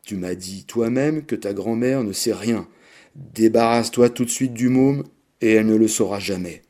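Man voicing a callous young man in an audiobook, terse and dismissive. His voice is mellow and dark yet clipped and dry. He keeps his words short and flat. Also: lowish voice, moderate pace, natural voice. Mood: falsely soothing.

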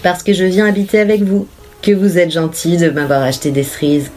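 A woman reading the part of a composed, unsettling little girl in a soft, quiet, low voice. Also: fairly quick, natural voice. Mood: calm. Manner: calm, polite and unsettling. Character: eerie, composed little girl who moves in uninvited. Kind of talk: audiobook character reading.

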